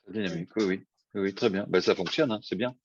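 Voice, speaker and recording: A man's voice: low voice, fast talker, muffled recording, a little hiss or hum. A man moderating an informal question session in an encouraging way. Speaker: discussion moderator.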